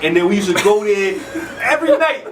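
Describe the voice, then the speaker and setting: A man's voice: high voice, animated, fairly quick, distant mic, a little hiss or hum. A man hosting a casual radio show, talking in a slangy, laid-back way in a studio. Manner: slangy, laid-back, says "you know what I'm saying" often.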